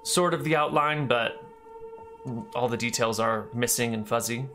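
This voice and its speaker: A man voicing a reserved woman, a head cleric who speaks softly and explains slowly with pauses. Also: medium pitch, faint music behind, lightly acted. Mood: explaining.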